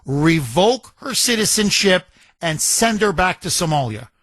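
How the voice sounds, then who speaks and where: A man's voice: high-pitched, very animated, a little slow, a bit bright, no echo. A man hosting a call-in radio show, talking in a combative, emphatic and scornful way. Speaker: radio talk show host. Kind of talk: talk radio monologue and call-in.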